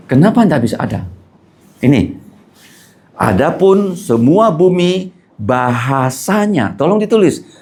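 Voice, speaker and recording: Animated pastor teaching a class. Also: male voice, a little high. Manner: lively, asks the class questions and answers them.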